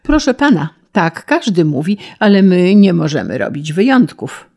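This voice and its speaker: A woman's voice: on the low side, big pitch swings, moderate pace, gravelly, mellow, exaggerated voice. A woman voicing a stern male city official who answers curtly and officiously in a storybook reading. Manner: curt, officious.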